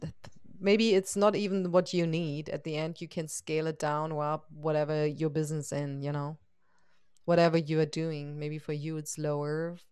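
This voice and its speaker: German-accented woman, clear low voice. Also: level tone, moderate pace, a little mellow, no echo, studio quality. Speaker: interview host, photographer. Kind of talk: casual conversational interview.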